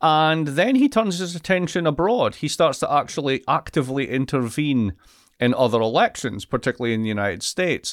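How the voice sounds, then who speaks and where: A man's fairly high voice in a Scottish accent, with very wide pitch swings at a fairly quick pace, dry and close with no echo on a very clean recording with a silent background. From Scotland, Dundee. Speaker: podcast host, political economist. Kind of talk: interview.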